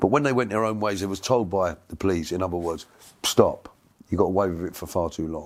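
Speaking in a Cockney accent, the voice shows ordinary pitch variation. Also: man, very deep, low pitch for a man. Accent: London Cockney. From South London (Stockwell). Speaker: ex-criminal telling his life story. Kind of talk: interview testimony.

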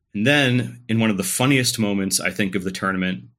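In a very clean recording with a silent background, a man with a fairly low pitch, vocal fry and a bright, sharp tone talks at a very fast pace with ordinary pitch variation. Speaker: tabletop wargame player and YouTuber. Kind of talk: casual chat. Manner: joking, animated.

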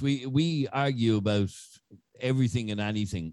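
The speaker has a Dublin accent and keeps a moderate pace. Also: man. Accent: Dublin Irish. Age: 50s. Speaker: radio broadcaster. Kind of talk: casual interview chat.

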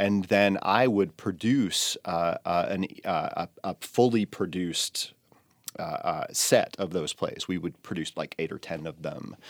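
A man is speaking. The sound is dry and close with no echo, on a very clean recording with a silent background. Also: fairly slow pace. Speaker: theater director. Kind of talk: casual interview conversation about a play.

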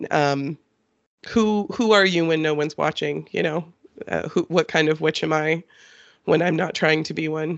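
A woman with a very deep, low pitch, at a moderate pace with long, frequent pauses. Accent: American. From Northern California. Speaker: author. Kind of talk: interview.

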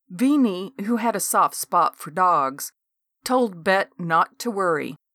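The clip has a natural reading voice with ordinary pitch variation against a quiet background.

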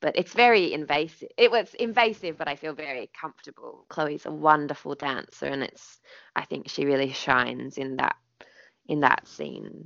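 Loudness swings widely in this voice with an Australian accent. The pace is moderate. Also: woman. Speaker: stage and screen actor. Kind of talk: interview.

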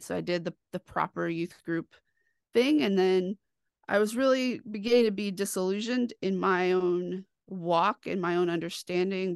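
This woman has a plain, everyday voice with an American accent, a medium pitch and ordinary pitch variation. She speaks at a fairly slow pace against a quiet background, in a dry, close sound with no echo. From Texas, Dallas. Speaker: DEI educator and preacher. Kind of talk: casual chat.

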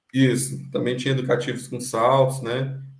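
A somewhat breathy man speaks at a moderate pace and a medium pitch. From Brasília satellite cities, Brazil. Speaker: running coach, former sprinter. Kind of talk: casual interview on a livestream. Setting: YouTube livestream.

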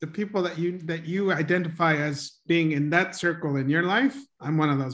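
Speaking at a fairly quick pace with an American accent, a man uses a high pitch with ordinary variation. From Maryland, US. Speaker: educator, DJ and poet. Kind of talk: casual interview conversation.

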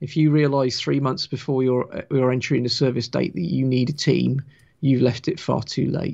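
A man speaks with a Wiltshire accent. His pitch sits in the medium range. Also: ordinary pitch variation, moderate pace. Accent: gentle Wiltshire twang. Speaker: rail engineer and author. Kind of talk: casual chat. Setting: video call, livestream.

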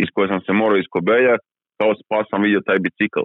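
Speaking at a fairly quick pace, a man with a fairly low pitch has an unremarkable speaking voice. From Croatia, Zagreb. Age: 30s. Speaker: quadriplegic traveller and blogger. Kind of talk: podcast interview.

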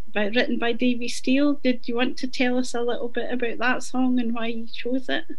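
Over noticeable background noise, a woman talks fairly quickly in a high, monotone, flat voice. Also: very even loudness. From northeast Scotland. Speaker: radio host. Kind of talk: casual radio interview.

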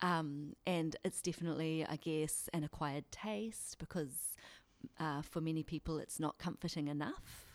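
A woman with a New Zealand accent speaks at a very deep, low pitch, with fairly even intonation and very even loudness. The sound is dry and close with no echo. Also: moderate pace. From New Zealand, Auckland. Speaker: writer. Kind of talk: casual conversation.

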